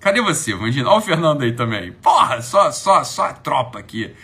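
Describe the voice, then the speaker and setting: A man's voice: mid-range voice, very animated, moderate pace, bright, forceful tone. A man with a Brazilian accent hosting a live stream, talking casually and emphatically, swearing often and asking again and again if you get it.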